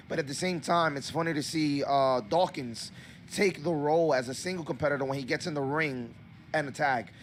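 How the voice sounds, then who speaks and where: An eager man in his early thirties with a mid-range voice, co-hosting a casual wrestling chat. He rambles and recaps matches in vivid detail over a faint hiss. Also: mid-range voice. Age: 30s. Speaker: podcast co-host.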